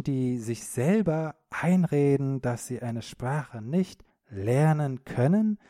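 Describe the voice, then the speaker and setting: Guy teaching german on a podcast, super slow and clear, lots of pitch movement, keeps checking in, encouraging. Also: warm tone, no echo, studio quality.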